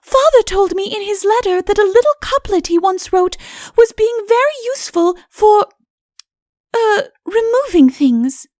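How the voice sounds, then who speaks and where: A woman reading an audiobook, voicing a young princess in a high, breathy, flustered way. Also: animated, unhurried, a little mellow, dry recording, clean studio sound. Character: young princess, eager and anxious. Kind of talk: audiobook character voice.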